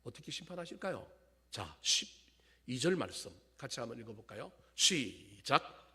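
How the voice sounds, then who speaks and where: A male pastor preaching a sermon in church, firing rhetorical questions at the congregation and swinging from loud exclamations to low, quiet appeals. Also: big pitch swings, moderate pace, breathy edge. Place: church service.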